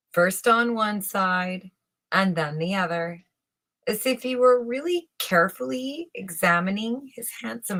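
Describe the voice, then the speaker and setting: A woman narrating a fairy tale as storyteller, expressive, theatrical and deliberate. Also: fairly low pitch, vocal fry.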